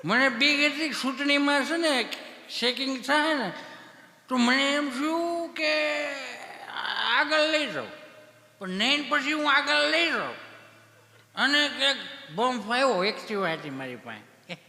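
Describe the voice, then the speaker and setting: A man's voice: very high voice, lively intonation, unhurried, sharp tone. A man telling a sheepish comic anecdote on stage. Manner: sheepish, laughs through his story. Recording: echoey hall, live stage PA.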